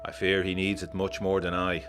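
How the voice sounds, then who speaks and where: A man acting as a brooding, old-fashioned gentleman of the 1920s with a very low voice. He reads his letter in formal period diction, worried and indignant, with measured emphasis. Faint music plays under this gothic audio drama. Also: monotone, lightly acted.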